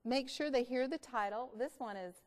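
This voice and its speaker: A woman presenting read-aloud tips in an expressive, instructional way, with deliberate emphasis. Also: on the high side. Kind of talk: instructional talk with storybook reading.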